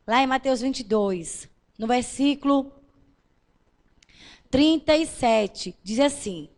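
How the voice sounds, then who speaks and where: A woman pastor preaching a sermon, swinging between loud emphatic declarations and soft, intimate lines as she addresses the congregation directly. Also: a little high.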